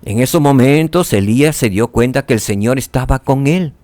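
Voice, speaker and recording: A man teaching a scripture lesson, asking rhetorical questions and dropping to soft tones for emphasis. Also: mid-range voice, expressive, normal speed, no room sound.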